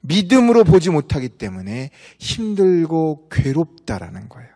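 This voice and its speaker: A man's voice: fairly high pitch, huge pitch swings, normal speed, warm tone. A man preaching a sermon as pastor, telling a story with acted-out dialogue and asking the congregation questions. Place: church sanctuary. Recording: church hall reverb.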